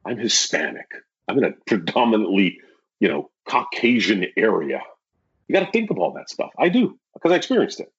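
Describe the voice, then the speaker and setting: Animated low-voiced man, husky, lively. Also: brisk. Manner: animated storyteller, acts out clients and his old sales pitch, laughs often; repeats words when starting. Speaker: guest real estate agent. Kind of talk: casual interview conversation. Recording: dull lo-fi sound.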